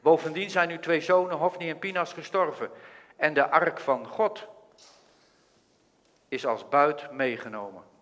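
A man's voice: on the high side, a little slow, pauses often, fairly bright tone. A battle messenger, read out by a man. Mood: grave. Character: male messenger fleeing from battle. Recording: long hall reverb.

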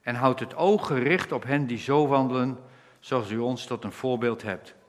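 A man delivers an earnest sermon, explaining Bible passages line by line. His voice sits in a middle register and carries a long reverb from the hall. He slows down to quote scripture. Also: medium pitch. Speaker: preacher.

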